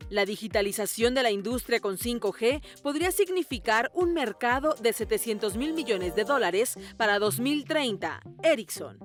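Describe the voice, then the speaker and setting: A woman's voice: fairly high pitch, expressive, normal speed, few pauses. A woman narrating short scripted news headlines in a formal bulletin manner. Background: music.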